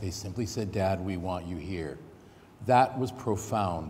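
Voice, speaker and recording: The tone is dark and mellow, somewhat breathy. It moves at a moderate pace with audible room echo. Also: man. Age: 60s. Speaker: mental health speaker. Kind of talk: testimony.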